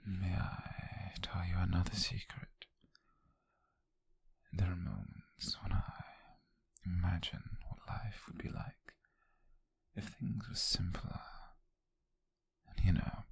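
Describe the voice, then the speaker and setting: A man voicing a tender, flirtatious witch on a date in an ASMR roleplay, with a British accent and a soft, breathy, gravelly whisper. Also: low voice, level tone, no room sound, heavily acted. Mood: dreamy. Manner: soft, intimate, slow and hesitant.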